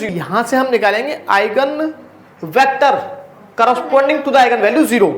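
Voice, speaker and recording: In an echoey room, a high-voiced, slightly bright-sounding man teaches math at the blackboard. Chatty and relaxed, he walks through each step, poses rhetorical questions to the class, and addresses students as brother.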